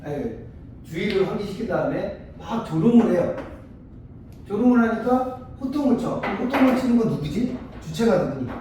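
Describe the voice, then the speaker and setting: A male tutor lectures a class in a high, animated voice with a mellow tone. He keeps checking in with his students and slips into short acted-out exchanges to make a point. The recording sounds echoey and distant, as if taken from across a classroom, with faint noise behind it. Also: moderate pace. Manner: asks students frequent check-in questions; acts out short dialogues to explain. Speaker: Korean literature tutor. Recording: echoey room, mic far off, faint noise.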